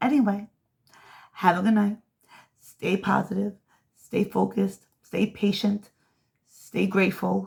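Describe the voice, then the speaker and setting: Speaking fairly slowly at medium pitch, a woman uses vocal fry, fairly even intonation and very even loudness, with long, frequent pauses. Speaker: law of attraction vlogger and author. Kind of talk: casual monologue vlog.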